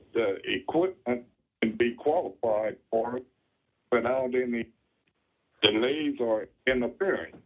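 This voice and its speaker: A man's medium-pitched voice with ordinary pitch variation, a fairly slow pace and long, frequent pauses. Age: 60s. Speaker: caller. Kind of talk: call-in comment. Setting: phone call.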